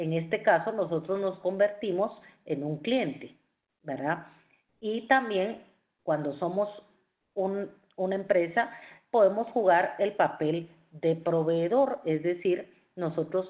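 The speech moves at a very slow pace with long, frequent pauses against a quiet background. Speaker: teacher. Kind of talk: lecture. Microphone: video call.

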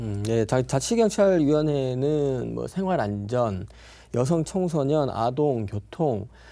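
Against a quiet background, a man speaks very slowly in a dark, mellow tone. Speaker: journalist. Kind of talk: news discussion. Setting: studio. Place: studio.

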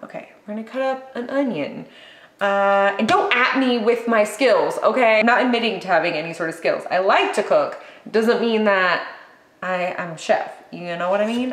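A woman at a moderate pace with audible room echo. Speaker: home cooking vlogger. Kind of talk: casual cooking tutorial. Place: kitchen. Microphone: camera far.

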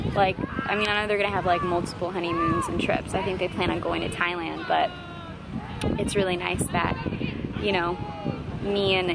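Loud background noise accompanies a woman whose voice sounds dry, with no echo. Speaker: travel vlogger. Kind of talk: casual vlog chat. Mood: relaxed, cheerful. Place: beach. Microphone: phone near.

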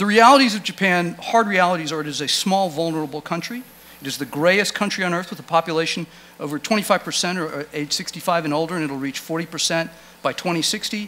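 At a moderate pace, a man speaks with high pitch and ordinary pitch variation. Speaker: policy analyst, panelist. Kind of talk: panel discussion. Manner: halting. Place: hall. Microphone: headset.

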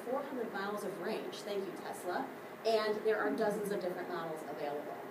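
The speech moves at a fairly quick pace. Loud background noise runs underneath. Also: woman. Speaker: conference presenter. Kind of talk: conference presentation. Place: hall.

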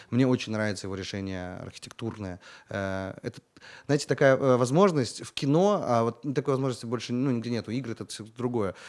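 Against a quiet background, a man with a medium pitch speaks fairly quickly, with ordinary pitch variation and big swings in loudness. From Russian Far North. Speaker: film director; guest. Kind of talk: interview. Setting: studio. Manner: energetic. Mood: calm, reflective. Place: studio. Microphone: studio mic.

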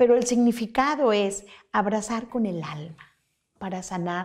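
The setting is quiet. A woman talks at a very slow pace, her pitch varying in an ordinary way. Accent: Mexican. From Mexico. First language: Spanish (speaking Czech). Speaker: traditional midwife; guest. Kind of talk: interview. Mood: warm, calm. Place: studio.

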